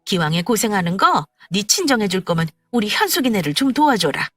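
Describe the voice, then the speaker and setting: Lady doing a sharp-voiced bossy mother-in-law, nags and orders, bouncy pitch, faint music behind. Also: very animated, fairly quick, no echo, studio quality. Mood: demanding. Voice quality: sharp, piercing voice. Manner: scolding, demanding. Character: shrill, overbearing older mother-in-law.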